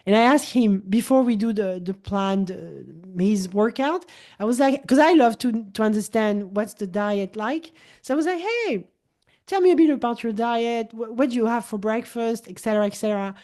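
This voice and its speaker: A woman's voice: a little high, moderate pace. A woman in her forties, a native French speaker, talking as a wellness coach host in a casual conversation and often acting out quoted dialogue. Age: 40s. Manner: animated, repeats words and restarts, acts out quoted dialogue.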